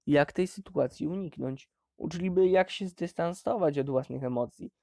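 A man narrating an audiobook in a measured, deliberate way. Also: on the high side, creaky, mellow, dry recording, clean studio sound.

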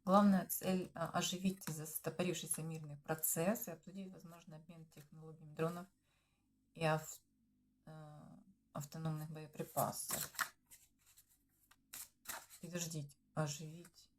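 A woman's voice: deep voice, flat delivery, normal speed, pauses often. Musing Ukrainian woman reading tarot, noisy. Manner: musing, talks to cards and viewers, trails off. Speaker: tarot reader. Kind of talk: tarot reading on current news. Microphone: clip-on or desk microphone.

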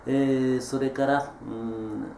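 A middle-aged man, hosting a casual solo radio-style chat. He reads out listener messages in a relaxed, chatty way, with many drawn-out filler sounds. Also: medium pitch, gravelly, a little hiss or hum. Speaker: host reading listener messages. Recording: roomy echo.

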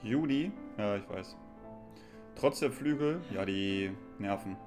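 Low-voiced German man streaming games. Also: lively intonation, unhurried, music in the background. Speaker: game streamer. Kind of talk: casual live stream commentary. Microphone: close desk microphone.

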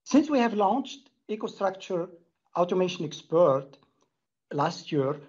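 Husky middle-aged man presenting earnestly. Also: high voice, darkish tone, muffled recording. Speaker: company executive presenter. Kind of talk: prepared corporate presentation. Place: indoor room, plain wall.

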